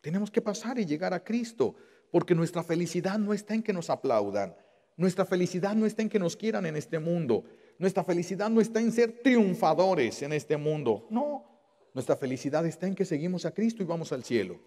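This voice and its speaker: A male Catholic priest preaching a sermon, impassioned, repeating key phrases and drawing words out slowly for weight. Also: high voice, lively intonation, dark tone, big-room sound.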